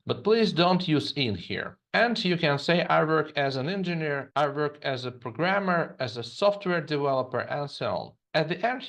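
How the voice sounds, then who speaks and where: Lively-voiced man teaching English phrases. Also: fairly high pitch, creaky. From Germany. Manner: reads example phrases slowly and repeats them. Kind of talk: scripted lesson narration.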